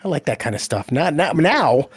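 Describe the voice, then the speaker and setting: A man chatting casually as a podcast host, informal and enthusiastic, quick to exclaim. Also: a little high, very animated, slightly rough, no room sound, clean studio sound. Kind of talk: casual chat.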